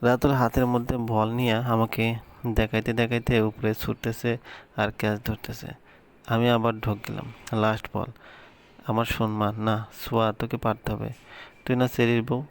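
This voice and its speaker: Gravelly, flat-voiced man narrating a story. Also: mid-range voice, normal speed. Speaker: story reader. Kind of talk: first-person storytelling narration.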